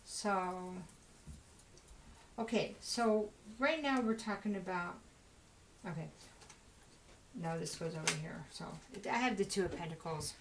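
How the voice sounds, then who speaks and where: A woman giving a casual tarot reading, talking fast and rambling with plenty of fillers. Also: on the low side, a little hiss or hum, rough recording. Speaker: tarot reader.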